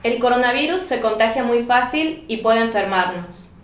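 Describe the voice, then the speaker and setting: A woman gives lesson lines in a fairly high, clear voice, measured for learners. An echoey room carries her words. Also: expressive. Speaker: Spanish teacher. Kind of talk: scripted language lesson.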